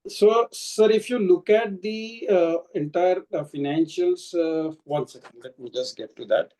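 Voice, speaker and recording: A man with an Indian accent answering questions as a company executive on a conference call, explaining in halting, restarted phrases. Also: high-pitched, mellow. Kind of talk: earnings call answers, spontaneous speech.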